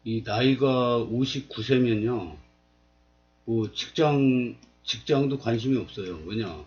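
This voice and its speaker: A man's voice: medium pitch, slow, highs cut off. A man in his fifties talking casually on his own channel, explaining a local area while pointing things out on a map and asking himself rhetorical questions. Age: 50s. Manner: plain, steady, asks rhetorical questions. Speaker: video blogger.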